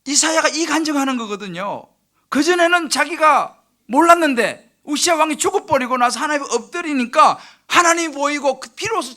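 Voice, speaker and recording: A middle-aged male pastor preaching a sermon in church, telling stories lively, acting out prayers and dropping from loud bursts to hushed near-whispers. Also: very high voice. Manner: animated storytelling, acts out quoted prayers and crying. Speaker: senior pastor. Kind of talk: sermon at a midweek service. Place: church sanctuary.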